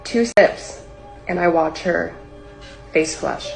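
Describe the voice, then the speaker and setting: In what sounds like a livestream or video setup, a young woman casually tells a personal story, rambling with constant "like" fillers. Her lowish, gravelly voice takes its time. The audio is poor, with soft music in the background.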